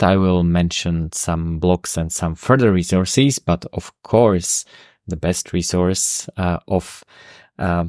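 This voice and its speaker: Slow, deep-voiced Slovak-accented man. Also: a little mellow, no room sound, clean studio sound. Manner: unhurried, halting with many "uh" fillers. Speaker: podcast host. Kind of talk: podcast introduction.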